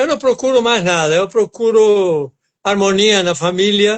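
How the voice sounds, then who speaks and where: He speaks with an Argentine accent. This man's pitch is high. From Argentina, Buenos Aires province. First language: Spanish (speaking Portuguese). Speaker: acupuncture and Chinese medicine teacher. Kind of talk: casual chat.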